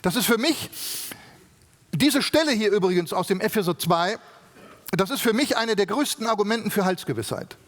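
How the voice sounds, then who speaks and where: A man's voice: high-pitched, very animated, normal speed, fairly bright tone. A man from Germany preaching a sermon with emphatic rhetorical questions and frequent tag questions, in a large conference hall. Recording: long reverb of a large hall.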